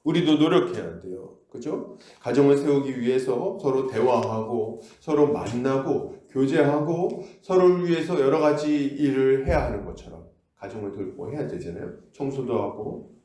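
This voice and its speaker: A man's voice: medium pitch, moderate pace, warm tone. A male pastor preaching a conversational sermon, often asking the congregation questions. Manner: conversational, asks the congregation questions, acts out scoldings. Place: church sanctuary. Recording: echoey church room.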